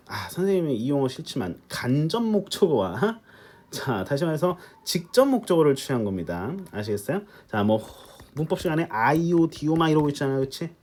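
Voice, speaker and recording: A man's voice: medium pitch, a little mellow, slightly rough. A man teaching an English test-prep lecture in a chatty style, asking rhetorical questions and joking aside with his students. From Korea. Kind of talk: recorded online lecture.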